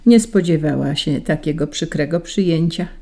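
A woman reading a children's story aloud in a gentle, measured way. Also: deep voice.

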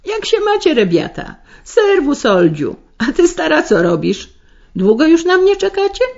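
A woman voicing a loud, brash working-class woman visitor who talks in shrill exclamations, on a slightly muffled radio recording. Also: big pitch swings, a little slow, husky, exaggerated voice. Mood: hearty.

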